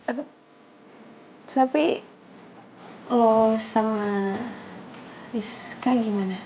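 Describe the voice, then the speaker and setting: A woman's voice: fairly high pitch, fairly even intonation, extremely slow, warm tone, slight background noise. A woman playing a humble young female gravedigger who talks casually and chattily. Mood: hesitant.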